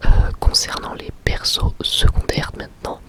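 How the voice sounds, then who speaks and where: Whispering young man, ASMR style. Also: moderate pace. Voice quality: breathy, unvoiced whisper. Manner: informal, slangy, explanatory. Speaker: ASMR creator and anime reviewer.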